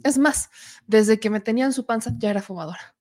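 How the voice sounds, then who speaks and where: A woman's voice: fairly high pitch, fast, a little mellow. A woman in her thirties with a Mexican accent hosts a political talk show in a chatty, joking way, still getting over a cough from allergies. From Puebla, Mexico. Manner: chatty and joking, with asides to the producer. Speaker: political commentary host.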